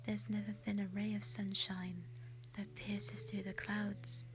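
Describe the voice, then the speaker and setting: A woman voicing a gentle, lonely female white dragon in a roleplay audio drama, speaking softly and breathily in a sweet, formal, hesitant way. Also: mid-range voice, level tone, measured pace, over music, natural voice. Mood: soft, wistful. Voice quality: soft, breathy, often whispery.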